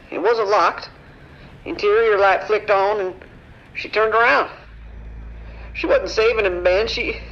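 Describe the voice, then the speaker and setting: A man plays a terrified, haunted trucker in a radio drama. His high voice cracks with fry as he stammers and halts in shock. The radio sound is muffled, with noise behind it. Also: fairly bright tone, heavily acted. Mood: horrified. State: in shock, frightened. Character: terrified, shocked male trucker recounting horror.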